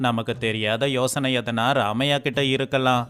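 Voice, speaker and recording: Guy doing the village men in a story, normal pitch, bit of music under it. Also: fairly even intonation, normal speed, fairly bright tone, clear, resonant tone. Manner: plays several village men in turn. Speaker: voice actor for story characters. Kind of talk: storybook dialogue acting. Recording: faint music behind.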